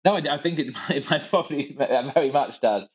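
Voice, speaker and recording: A man's voice: medium pitch, moderate pace, slightly rough, dull audio. A man in his forties, born in Hong Kong, answering interview questions with dry, self-deprecating humor and lots of hesitant fillers. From born in Hong Kong, raised abroad. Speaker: guest, startup founder. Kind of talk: conversational interview.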